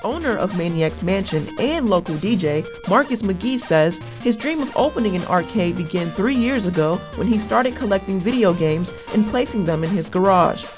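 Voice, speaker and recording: A woman's voice: mid-range voice, lively intonation, normal speed, few pauses. Young woman reporting local news, music behind. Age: 20s. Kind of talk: scripted news package narration and stand-ups.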